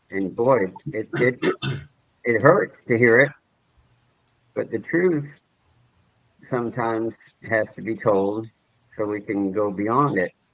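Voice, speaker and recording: Pausing long and often, a man talks at a very slow pace with a medium pitch and ordinary pitch variation. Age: 60s. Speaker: support group member. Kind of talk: group discussion testimony.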